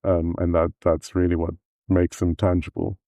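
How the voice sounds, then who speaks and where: A man interviewing an author in a measured, thoughtful way, often saying "kind of". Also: low-pitched, flat delivery, mellow, no room sound. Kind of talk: conversational interview.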